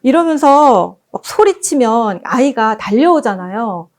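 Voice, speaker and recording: Woman reading from a book, soft storyteller feel, voice sits a bit high. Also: lively intonation, measured pace. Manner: gentle storytelling, acting out quoted lines. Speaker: book forum presenter.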